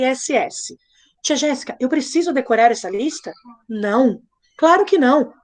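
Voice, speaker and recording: High-voiced woman teaching children. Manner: playful, patient, spells things out slowly. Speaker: primary school teacher. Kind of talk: live online class lesson.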